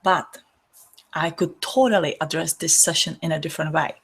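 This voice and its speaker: A woman with a Czech accent speaks in a slightly low, soft voice. She hosts a spiritual healing session, talking earnestly to her listeners with gentle pauses and non-native turns of phrase. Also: breathy edge. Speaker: spiritual healer and host. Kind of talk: gentle spiritual talk to an online audience.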